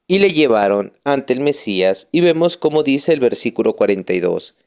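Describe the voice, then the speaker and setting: A man's voice: medium pitch, very animated, normal speed, creaky, smooth. A man, a Catholic friar, giving a catechism video lecture, emphatic and repeating phrases to stress key words.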